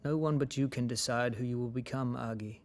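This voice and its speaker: A man's voice: medium pitch, fairly quick, lightly acted. A man playing a wise old tribal elder, firm and fatherly, at a table read of a fantasy drama. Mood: wise, measured.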